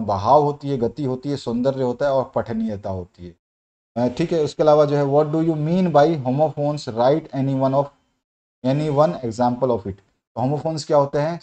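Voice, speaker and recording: A man teaching an exam-prep lesson, explaining patiently with many fillers and reading English questions out slowly. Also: medium pitch, mellow.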